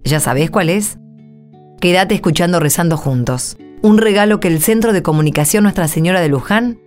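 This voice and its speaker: A woman's voice: fairly low pitch, darkish tone. A woman with an Argentine accent presenting and narrating a scripted radio drama.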